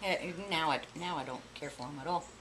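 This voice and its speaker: Lively intonation from a woman at a moderate pace, with noticeable background noise. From southern Ohio. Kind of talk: interview answer.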